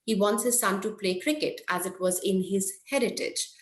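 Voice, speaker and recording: A woman presenting an academic paper, reading it aloud in a measured, careful way. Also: medium pitch. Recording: echoey room.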